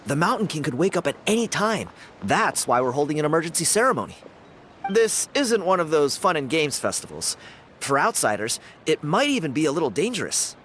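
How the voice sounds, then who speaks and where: A cocky young tribal dancer. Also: male voice, a little high, very animated, fairly quick, a little hiss or hum. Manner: easygoing, boastful, chatty. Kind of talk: video game voice acting. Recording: game audio with loud music underneath.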